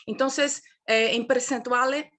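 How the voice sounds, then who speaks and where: A Brazilian woman speaks in a fairly high voice, lecturing over a video call. She talks in a non-native, Portuguese-tinged way, pausing and restarting as she searches for words. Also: steady tone, a bit bright. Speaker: panel speaker.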